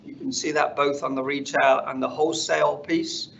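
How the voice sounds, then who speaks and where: A man speaking as a company finance executive, presenting slides on an earnings call in a measured corporate delivery. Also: a little high, steady tone, gravelly, fairly bright tone. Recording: dull conference call audio, faint noise.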